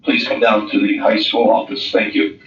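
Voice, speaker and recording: A man from the school office reading out a list of students over the school intercom, in a brisk, even announcing tone. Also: lowish voice, a little hiss or hum. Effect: school intercom loudspeaker. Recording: roomy, distant, muffled loudspeaker.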